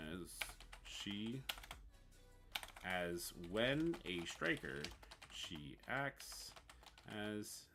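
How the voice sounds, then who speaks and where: A man from Newfoundland with a Newfoundland accent, hosting a casual livestream. He reads on-screen text aloud haltingly and chats with his viewers. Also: on the low side, background noise. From Newfoundland, Canada. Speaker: livestream host.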